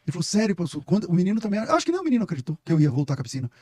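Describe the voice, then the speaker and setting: A man's voice: high-pitched, wildly swooping pitch, racing, warm tone, slightly rough. A middle-aged Brazilian man, a pastor, talking emphatically and telling stories in a casual podcast conversation. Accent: Brazilian Portuguese. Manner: emphatic, storytelling, preacher-like. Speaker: guest pastor.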